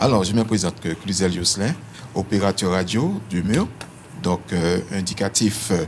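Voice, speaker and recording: A man with an ordinary speaking voice, fairly low pitch, ordinary pitch variation, very even loudness and a fairly slow pace. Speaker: radio operator for an association. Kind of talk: TV interview.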